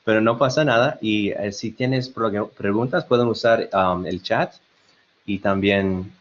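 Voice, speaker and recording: Slow, hesitant man with American-tinged Spanish. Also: lowish voice. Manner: hesitant, many fillers and restarts, chuckling often. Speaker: webinar presenter. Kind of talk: online presentation. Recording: dull lo-fi web call audio.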